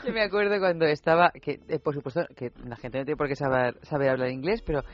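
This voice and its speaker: A woman's voice: deep voice, quick pace, over a noisy crowd. A woman co-hosting a radio chat, telling jokey stories and laughing often. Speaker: radio co-host. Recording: dull lo-fi radio sound.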